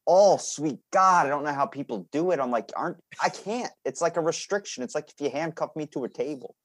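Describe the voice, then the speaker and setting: A man's voice: a little high, animated, a little fast. A man hosting a podcast in a casual, blunt way, ranting comically with swearing and exaggeration. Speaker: podcast host.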